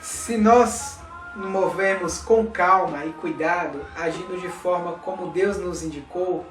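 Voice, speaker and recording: A man with a high voice reads a passage aloud at an even, formal pace. He sits back from the microphone in an echoey room, with faint music in the background. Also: far from the mic. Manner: measured, formal reading. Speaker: reader. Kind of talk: reading a text aloud.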